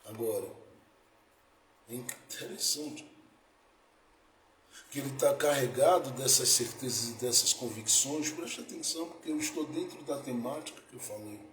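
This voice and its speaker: A man preaching a sermon as pastor, building to emphatic peaks and then dropping soft. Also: mid-range voice, normal speed, pauses often, slight background noise. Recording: echoey room, faint ambience.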